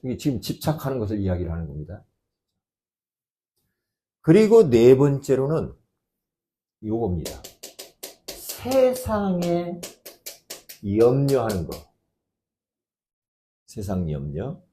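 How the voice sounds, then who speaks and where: A man preaching a sermon as pastor, emphatic, swinging between loud outbursts and quiet asides. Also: fairly low pitch, huge pitch swings, unhurried, long pauses, slight background noise.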